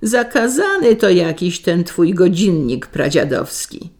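A woman's voice: lowish voice, big pitch swings, unhurried, darkish tone. A woman voicing a nosy, quarrelsome old village wife who shrieks for help in a folk tale. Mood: panicked shrieking.

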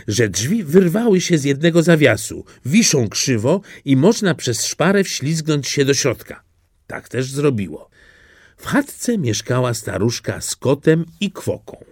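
A man reading a fairy tale audiobook in an expressive storytelling manner. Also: mid-range voice, unhurried, husky, dry recording, clean studio sound. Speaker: narrator.

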